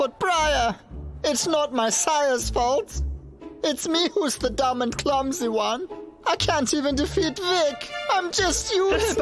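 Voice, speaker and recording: Over clear music in the background, a cartoonish character voice moves at a fairly slow pace. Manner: timid, tearful, then defiant.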